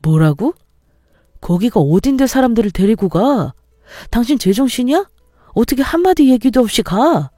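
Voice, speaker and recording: A woman's voice: on the high side, expressive, normal speed, warm tone, dry recording, studio quality, voice pushed up. A woman putting on a scolding, curt young husband. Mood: indignant. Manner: curt, accusing, talks down.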